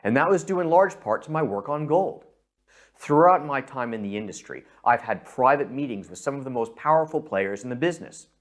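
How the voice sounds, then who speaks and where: Middle-aged American man, mid-pitched, persuasive scripted pitch straight to the listener. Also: animated, a little fast. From San Francisco, USA. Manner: persuasive, addresses the listener directly. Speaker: investment director presenting. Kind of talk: scripted investment sales presentation.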